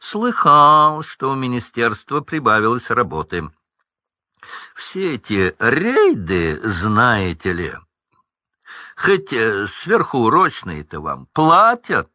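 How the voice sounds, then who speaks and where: A man's voice: medium pitch, very animated, takes it slowly, sharp tone, no echo, dull audio, heavily acted. A man voicing a haughty, cold aristocratic wizard father who talks down to others with a smirk. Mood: condescending. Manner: condescending, drawling, smirking.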